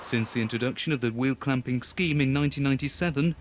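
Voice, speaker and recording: A male reporter reads a scripted news piece at a middling pitch. He is formal and factual, with clear outdoor traffic noise behind the voice. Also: fast. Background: street and vehicle noise.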